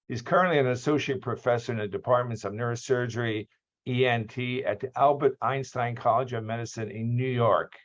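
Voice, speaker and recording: A man from Australia, hosting a lecture series over a video call, reads out a guest's introduction. He halts often with ums and restarts. His mid-pitched voice comes through dull and lo-fi. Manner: hesitant, many ums and restarts. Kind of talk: formal speaker introduction.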